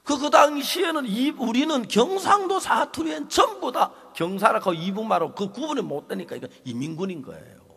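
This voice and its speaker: An older man with a Gyeongsang accent, preaching a sermon as a pastor, telling a story with animated drama and turning often to the congregation. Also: very high-pitched, a little fast, gravelly, few pauses, husky. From Gyeongsang, South Korea. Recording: long reverb of a large hall.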